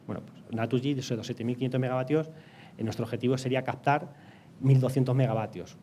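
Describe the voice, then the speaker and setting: A man with a Castilian Spanish accent speaks in a mellow, mid-pitched voice. He explains things as an interview guest, hesitating and repeating words. There is light ambient noise behind him. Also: fairly even intonation, fast. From Castilla-La Mancha, Spain. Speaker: interview guest, energy company project director.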